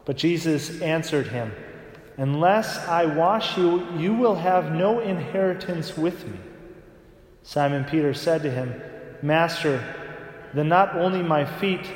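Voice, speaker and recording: A fairly high-pitched man leads Mass as a priest, first reading the Gospel and then moving into a relaxed homily full of "right?" tags. His voice rings through a large church with a long cathedral echo that trails after each phrase. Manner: talks in a casual way with frequent "right?" tags. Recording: long echoing church reverb.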